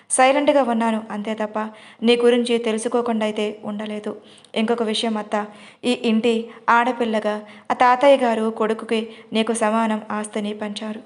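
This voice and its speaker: A woman voicing an angry young man, a grieving son who shouts loud accusations in a storybook audio drama. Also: on the high side, natural voice. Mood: accusing.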